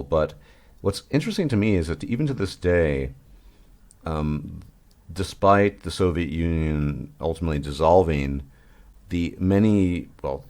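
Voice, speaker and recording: Very deep-voiced man hosting a talk. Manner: thoughtful, searching for words with fillers. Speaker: host. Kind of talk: interview conversation.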